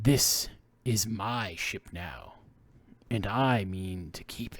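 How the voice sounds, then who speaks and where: A man uses a put-on character voice, raspy and growling, with a menacing tone and fairly low pitch. He talks at a very slow pace on a very clean recording with a silent background. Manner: snarling, menacing, unwelcoming.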